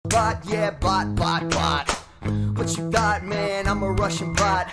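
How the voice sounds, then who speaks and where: A woman's voice: medium pitch, fairly even intonation, slow pace. A woman singing a playful, rhyming comedy song. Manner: playful, sung with rhyming lines. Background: loud guitar music.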